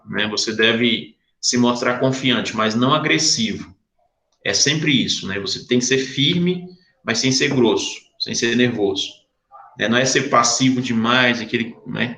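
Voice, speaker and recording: Man, casual lecturing teacher, bright tone, roomy echo. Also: mid-range voice. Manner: conversational, asks "né?" and "tá?" often. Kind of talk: online class lecture.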